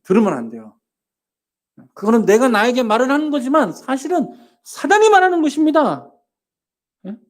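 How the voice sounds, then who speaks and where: A man preaching a sermon as pastor. His delivery is emphatic, with rhetorical questions to the congregation, sudden loud exclamations and near-whispered asides. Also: very high-pitched, very animated, normal speed, pauses often. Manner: acts out the nagging inner voice in direct speech.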